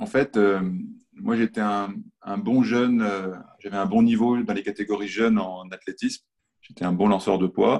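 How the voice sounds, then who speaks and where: Fairly slow male speech broken by long, frequent pauses. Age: 40s. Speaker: strength and conditioning coach. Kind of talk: casual interview chat.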